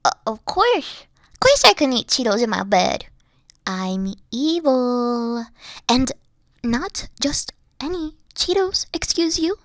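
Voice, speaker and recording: High-pitched, dorky evil queen played by a woman. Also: very animated, slow, no echo, studio quality, full character voice. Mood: smug, gloating. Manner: pompous, theatrical, easily flustered. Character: dorky, haughty, secretly soft evil queen. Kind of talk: playful roleplay audio acting.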